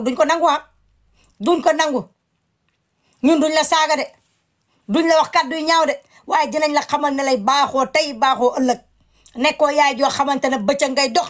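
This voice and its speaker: A woman's voice: high voice, moderate pace. A woman giving impassioned commentary, indignant and emphatic, repeating her words.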